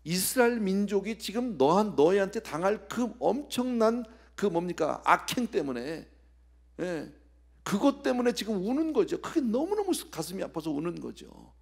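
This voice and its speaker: Gravelly, husky Korean pastor preaching. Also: male voice, high voice, moderate pace. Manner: animated, acts out scenes and drops to whispers; talks straight to the congregation with rhetorical questions. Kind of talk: expository sermon at a midweek prayer service.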